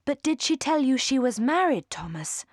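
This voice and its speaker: A woman's voice: sits high, sing-song, moderate pace, dry recording, clean studio sound, voice pushed up. A woman voicing a genteel middle-aged English mother, politely probing and affectionate, in a period novel audiobook. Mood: anxious, questioning.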